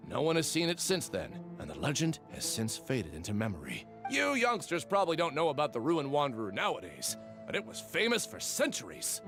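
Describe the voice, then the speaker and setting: A man's voice: on the high side, wildly swooping pitch, fairly quick, over music. A man voicing a gossipy older villager in a video game, telling things with dramatic flair. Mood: storytelling. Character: gossipy older villager spinning an old legend. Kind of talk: English video game voice acting.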